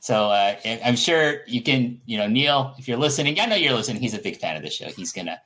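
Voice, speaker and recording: Male podcast host, forward bright tone, mid pitch, casual and halting, restarts phrases. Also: sing-song, low-quality recording. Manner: halting, repeats words as he goes. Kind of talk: casual interview chat.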